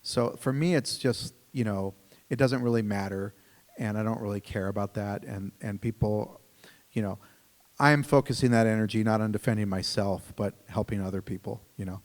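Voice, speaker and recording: A man from the United States speaking on a panel in a casual, halting way, with frequent restarts. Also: on the low side, steady tone. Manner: halting, many restarts, laughs between thoughts. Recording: reverberant hall.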